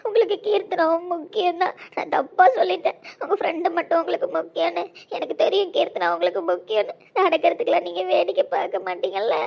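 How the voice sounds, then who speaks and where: A woman plays a young woman in love who is hurt and desperate. She pleads and presses the same words again and again, in a bright, high voice. It is an emotional audio drama. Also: expressive, fast, vocal fry, exaggerated voice. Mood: pleading. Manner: pleading, repeats herself insistently. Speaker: lead character in an audio drama.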